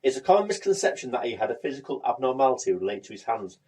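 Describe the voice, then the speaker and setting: A man's voice: mid-range voice, very animated, very fast, a little mellow. A man co-hosting a podcast, chatting casually with dry, matter-of-fact teasing. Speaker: podcast co-host. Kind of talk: casual chat.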